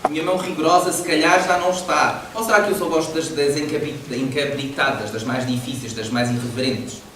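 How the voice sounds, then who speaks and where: Male teacher, a bit higher voice, animated and laughing, recorded far off in a noisy echoey hall. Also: fairly quick. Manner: lively, explanatory, laughs often. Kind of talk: classroom poetry lesson. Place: large echoey library hall.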